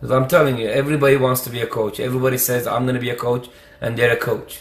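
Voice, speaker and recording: A man's voice at medium pitch. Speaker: soccer coach. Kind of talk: live-streamed coaching talk. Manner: loud.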